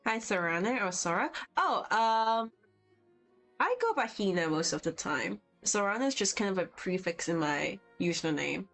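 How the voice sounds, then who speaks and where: Young woman, Cantonese speaker, chatty art streamer, mid-pitched voice, faint music behind. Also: expressive, normal speed, a bit bright. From Hong Kong. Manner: chatty and rambling, answers viewer chat as she works. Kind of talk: casual livestream chat while drawing. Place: at home on vacation. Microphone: poor-quality mic.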